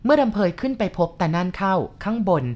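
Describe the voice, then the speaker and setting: A woman narrating a first-person ghost story in a steady, even reading voice. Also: medium pitch, quick pace.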